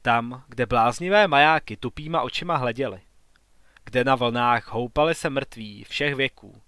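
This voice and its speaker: A man narrating a science fiction audiobook story, reading every character's lines in an even, unhurried voice. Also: medium pitch, no room sound. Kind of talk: scripted narration.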